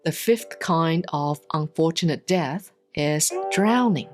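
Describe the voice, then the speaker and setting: A woman reads a Buddhist sutra aloud in a solemn, scripted style, with measured, deliberate enunciation and long pauses. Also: deep voice. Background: instrumental music.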